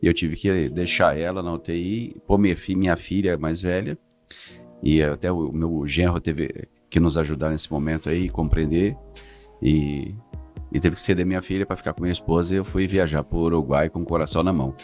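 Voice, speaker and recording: A middle-aged man, giving an earnest, halting religious testimony as a podcast guest. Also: low-pitched, fairly even intonation, darkish tone, faint music behind. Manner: earnest, halting, restarts words.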